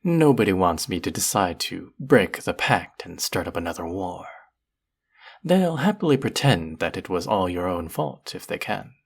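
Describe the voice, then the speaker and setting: A performer as a low, gravelly, sadistic sorcerer. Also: sing-song, moderate pace, full character voice. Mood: smug menace. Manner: teasing, mock-sweet baby talk, sighs. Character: gloating sadistic sorcerer, cooing over a captive pet. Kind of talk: roleplay audio drama acting.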